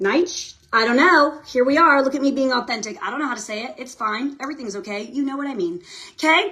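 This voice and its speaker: A woman speaks in a raised, projected voice, high in pitch, with an animated tone and lively intonation. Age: 30s. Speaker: network marketing team leader. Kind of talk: live social media coaching stream. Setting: livestream.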